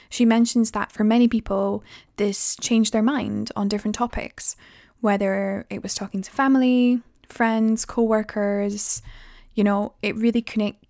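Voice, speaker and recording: A young woman from Fife with a softened Scottish accent, hosting a podcast in a conversational style. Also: medium pitch, creaky, no room sound, clean studio sound. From Fife, Scotland. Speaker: podcast host.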